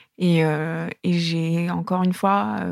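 This woman's voice sits at a fairly low pitch. The background is silent and the recording very clean. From Morocco, Marrakech. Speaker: student, mental health testimony. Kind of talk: testimony. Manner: hesitant, many fillers.

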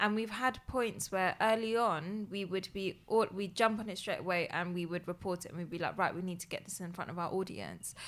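At a fairly quick pace, a woman with an unremarkable speaking voice, a medium pitch and fairly even intonation is heard on a very clean recording with a silent background. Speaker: company co-founder. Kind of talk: casual reflective conversation.

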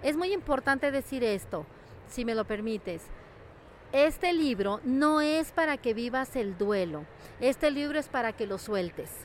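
A woman speaks at a fairly slow pace with a high voice. Her pitch swings very widely. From Honduras, moved to another country at 11. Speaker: life coach and author. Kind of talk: interview conversation. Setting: book fair, seated on an armchair.

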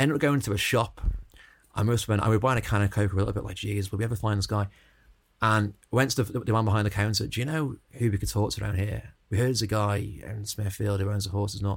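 A man speaks very fast in a fairly low, somewhat breathy voice. His pitch shifts in an ordinary way, on a very clean recording with a silent background. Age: 20s. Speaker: graphic designer. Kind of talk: casual interview chat. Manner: animated, laughs often, casual swearing.

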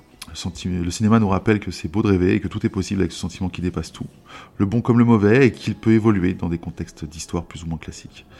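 Very fast and very deep, a man's low voice carries a dark, mellow tone, ordinary pitch variation and big swings in loudness. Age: 20s. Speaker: podcast host. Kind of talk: reading aloud; casual chat.

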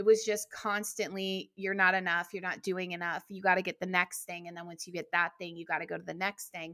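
A woman talks at a fairly quick pace in a bright, sharp tone with monotone, flat intonation. The sound is dry and close, without echo. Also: medium pitch for a woman, big swings in loudness. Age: 30s. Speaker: author. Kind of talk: interview conversation.

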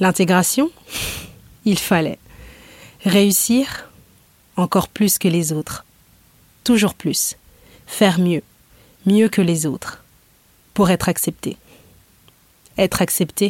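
At a very slow pace, a woman speaks with medium pitch and long, frequent pauses. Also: ordinary pitch variation, dry, close sound with no echo. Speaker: podcast co-host. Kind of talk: scripted narration.

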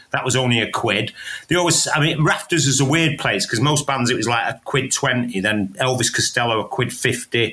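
A man with a Mancunian accent, medium pitch and ordinary pitch variation, moderate pace and very even loudness, over noticeable background noise. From Manchester, England. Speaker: radio presenter and music writer. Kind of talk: casual chat.

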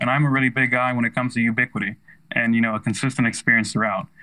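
A man speaks at a medium pitch with a bright, sharp tone. The background is quiet. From Miami, Florida, US (Cuban-American family). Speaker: tech startup co-founder. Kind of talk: podcast interview.

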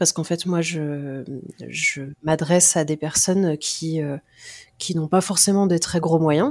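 Speaking very slowly, a woman uses a fairly low pitch. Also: fairly even intonation. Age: 30s. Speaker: interior architect. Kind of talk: interview. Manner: halting, many fillers.

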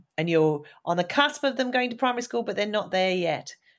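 A woman speaks with an Australian accent, her pitch swinging very widely. The recording is very clean, with a silent background. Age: 40s. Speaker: comedian. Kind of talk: casual chat.

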